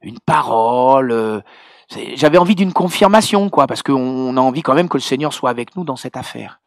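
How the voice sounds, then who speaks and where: A man preaching as pastor, telling a personal testimony in an animated, hesitant way full of fillers. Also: medium pitch, a little fast, no room sound, clean studio sound. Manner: hesitant, many fillers and restarts, animated storytelling.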